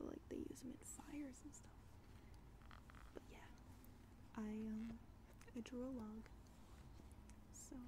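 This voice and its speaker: A young woman doing a whispered, soft-spoken ASMR roleplay as an art student, hesitant and halting with subtle condescension, recorded at home. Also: fairly high pitch, noisy background. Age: young adult. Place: small dim room at home.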